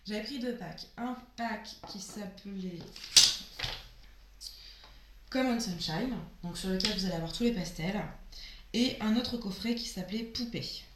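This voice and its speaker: A sick woman with a hoarse voice, chatting casually through a haul of nail polishes and trailing off with fillers. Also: mid-range voice, normal speed, echoey room, heavy background noise. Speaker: beauty vlogger.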